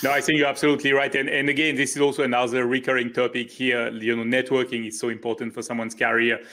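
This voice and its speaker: A man's voice: mid-range voice, level tone, fast talker, fairly bright tone. Encouraging male interview host. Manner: encouraging, attentive. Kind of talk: hosting an interview segment.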